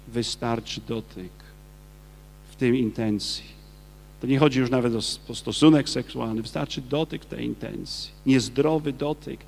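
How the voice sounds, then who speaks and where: A man, a Catholic priest, giving a lively sermon and firing rhetorical questions at his listeners. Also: mid-range voice, in a large hall. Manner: acts out quoted people in his talk.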